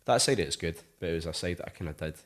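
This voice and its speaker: Very deep-voiced Scottish man. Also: lively intonation, racing. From Scotland. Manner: rambling, many "like" fillers. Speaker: musician guest. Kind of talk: casual interview chat.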